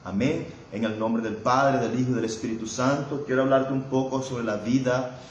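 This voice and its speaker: A man's voice: medium pitch, fairly even intonation, highs cut off. Man preaching in a very echoey room. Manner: peppers speech with amén and invocations of Jesus; halting, repeats words while searching for them. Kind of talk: sermon. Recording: very echoey room with faint background noise.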